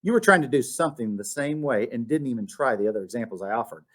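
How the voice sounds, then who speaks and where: Man as an animated, encouraging lady math teacher. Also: medium pitch, fast talker. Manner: instructive, encouraging. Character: patient, encouraging female math teacher, brightly prompting. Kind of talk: storybook read-aloud.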